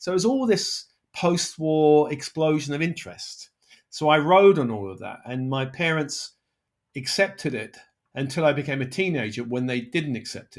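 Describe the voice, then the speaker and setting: A man with a southern English accent speaks at a moderate pace with lively intonation and big swings in loudness. The recording is very clean, with a silent background. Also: fairly high pitch for a man. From England. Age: 60s. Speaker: spiritual guide. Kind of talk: interview.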